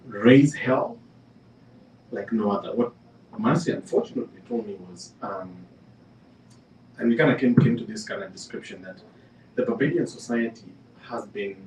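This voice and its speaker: A man from Kenya speaks on a discussion panel, his voice a little low, relaying an anecdote with plenty of ums and restarts before pressing his points firmly. He sits back from the microphone in a reverberant room, with a faint hum of noise underneath. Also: darkish tone. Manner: conversational, many fillers and restarts, building to emphatic points. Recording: echoey room, speaker far from the mic.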